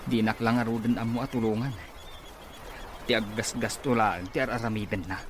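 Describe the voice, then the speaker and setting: A man's voice: lowish voice, fairly even intonation, normal speed, natural voice. A man playing an aggrieved married son in an Ilocano audio drama. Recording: noisy amateur recording.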